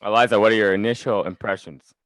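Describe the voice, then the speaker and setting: A man's voice: lowish voice, steady tone, fast, a bit bright, no room sound. A man hosting a podcast in a casual, conversational style. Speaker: podcast host. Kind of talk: casual chat.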